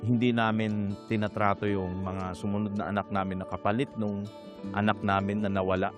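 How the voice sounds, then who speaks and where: A man's voice: fairly low pitch, little pitch movement, brisk. A man with a Filipino accent giving an earnest, reflective personal testimony of faith. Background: guitar music.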